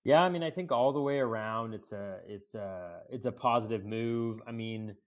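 A man's voice: lowish voice, normal speed. Man with a cracky cold-sick voice. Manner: enthusiastic, chatty with fillers. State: sick with a cold, sniffling and coughing. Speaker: podcast host. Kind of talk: casual podcast chat.

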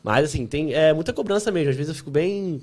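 A man's voice: fairly high pitch, expressive, fast, darkish tone. A young man with a Carioca accent, chatting casually as a podcast guest, laughing often and using lots of filler words. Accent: Carioca Portuguese. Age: young adult. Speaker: guest, content creator.

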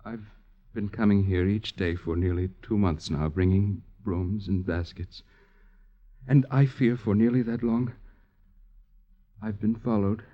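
An actor playing a doomed young gypsy lover in a 1950s radio drama, tender and fatalistic, speaking in solemn, poetic phrases. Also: male voice, fairly low pitch, natural voice. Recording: muffled old radio recording.

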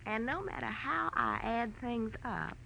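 A woman's voice: a little high, a little slow, creaky, pushed and bright, exaggerated voice. An actress playing a brassy, mercenary young gangster's girl in a 1940s radio crime drama, slangy and taunting. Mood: cool, taunting. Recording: noisy vintage radio recording.

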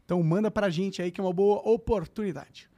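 A man hosting a podcast, briskly reading out a promotion. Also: high voice, dark tone. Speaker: podcast host. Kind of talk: reading an ad plug.

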